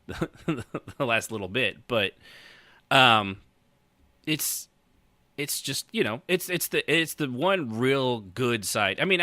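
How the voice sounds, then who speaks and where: Bright, forceful low-voiced man hosting a podcast. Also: dry recording. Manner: rambling, circling back over phrases. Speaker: podcast host. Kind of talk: casual podcast chat.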